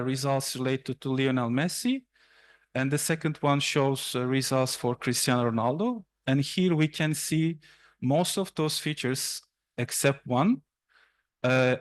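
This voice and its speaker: A young adult man whose first language is Turkish gives a university seminar talk in a lecture room, explaining slides in a halting way with fillers and restarts. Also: medium pitch. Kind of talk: academic presentation.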